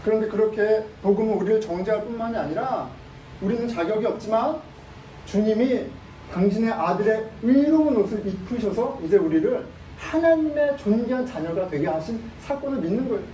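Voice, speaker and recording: A man's voice: high voice, expressive, fairly quick, mellow, slight background noise. A man preaching a sermon as pastor, speaking with emphasis and often putting rhetorical questions to the congregation. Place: church sanctuary. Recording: echoey room, mic at a distance.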